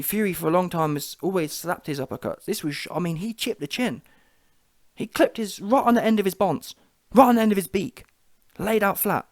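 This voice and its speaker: A man's voice: on the high side, no room sound, clean studio sound. A man with a London accent giving an informal, opinionated boxing reaction, slangy and emphatic, repeating his points for effect.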